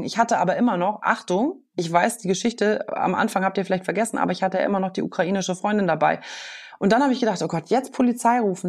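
A woman recounts an upsetting story in casual talk. She sounds agitated and rambles, breaking off and restarting her sentences again and again. Her pitch sits in the middle. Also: a little mellow. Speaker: podcast guest.

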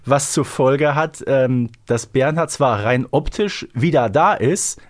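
Man podcaster, dry mid-pitched voice. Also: slow pace, no room sound. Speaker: podcast co-host. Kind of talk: casual chat recapping an episode.

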